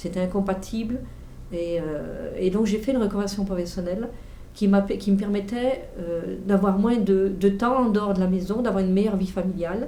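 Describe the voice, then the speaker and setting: A woman speaks at a moderate pace with a medium pitch and fairly even intonation. Audible room echo surrounds her voice. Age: 60s. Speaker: retiree, union member. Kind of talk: testimony. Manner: halting.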